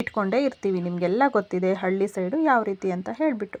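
The woman's voice sits at a medium pitch and shows ordinary pitch variation. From Malnad, Karnataka. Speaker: cooking vlogger. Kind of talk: cooking tutorial. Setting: village home kitchen, wood stove.

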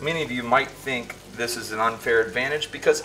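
A man talks at a fairly quick pace against light background noise. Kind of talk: casual cooking tutorial. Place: kitchen. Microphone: camera far.

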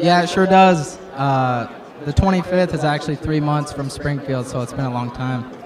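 With noticeable background noise, a man speaks at a fairly high pitch. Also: ordinary pitch variation, moderate pace. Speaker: pro singles rider. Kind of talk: podium interview. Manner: casual, thankful, rattling off sponsors. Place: stadium. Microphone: handheld.

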